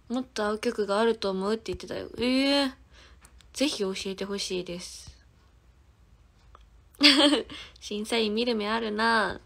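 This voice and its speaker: A woman's voice: medium pitch, vocal fry. A woman in her twenties with a Kansai accent, chatting casually on a phone livestream, giggling and answering viewers' comments one by one. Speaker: idol singer hosting a livestream.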